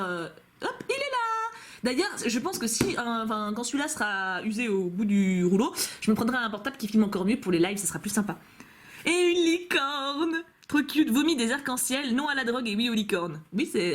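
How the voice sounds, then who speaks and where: With a fairly high, slightly bright voice, a YouTuber opens her fan mail in a casual unboxing chat at home. The camcorder picks up slight background noise as the young woman talks playfully and gushingly over the fan-made cards, laughing often.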